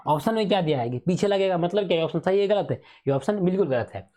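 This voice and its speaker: A man's voice: high voice, expressive, quick pace, dark tone. A male teacher giving an exam revision lesson in speech, who keeps asking questions and answering them himself, repeating the key terms.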